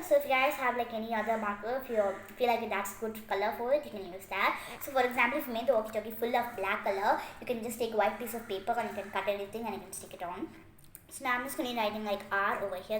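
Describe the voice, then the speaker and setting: Guiding viewers through a craft project in a casual, stepwise way, this woman uses a fairly bright, somewhat high voice and often fills her sentences with "like." The recording has echo, faint noise, and clicks.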